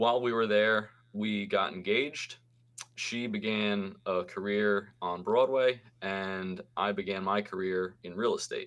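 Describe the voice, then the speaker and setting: With an American accent and a plain, everyday voice, a man speaks at a fairly slow pace and fairly low pitch, his intonation fairly even. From New Jersey. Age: 40s. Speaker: real estate agent. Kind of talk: casual interview.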